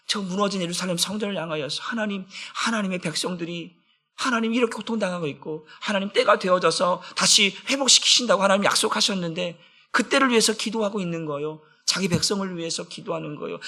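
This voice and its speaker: High bright-voiced male pastor preaching. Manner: impassioned preaching with many rhetorical questions to the congregation. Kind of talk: sermon.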